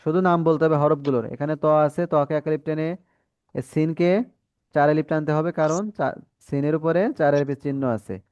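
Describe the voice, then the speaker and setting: A man with a Bangladeshi accent teaching Quran reading in an online class, patiently correcting students and modelling drawn-out syllables. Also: a little high, a little mellow, clear, resonant tone, no room sound, lo-fi sound.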